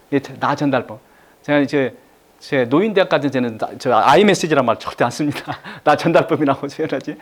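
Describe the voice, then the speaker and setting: A middle-aged man giving a live lecture to an audience, repeating key phrases and having them echo him back. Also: high-pitched.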